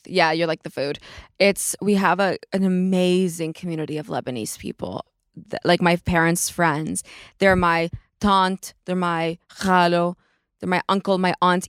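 A woman's voice: on the low side, clear, resonant tone, dry recording, studio quality. A woman in a casual chat, speaking in a heartfelt way and listing things with repetition.

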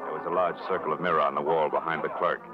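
Deep-voiced hard-boiled American radio detective. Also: male voice, steady tone, fast. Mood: wry, watchful. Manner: wry, clipped, tough-talking. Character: hard-boiled, wry male private detective, impatient and sardonic. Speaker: lead actor and narrator. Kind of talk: 1940s-50s radio noir narration and acting. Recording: muffled old radio recording, loud music behind.

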